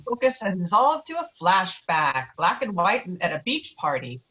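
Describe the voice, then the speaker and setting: Animated woman narrator, slightly dull audio. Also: lowish voice, moderate pace, a little hiss or hum. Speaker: narrator reading stage directions. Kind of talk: scripted narration at a virtual table read. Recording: dull, lo-fi online call audio.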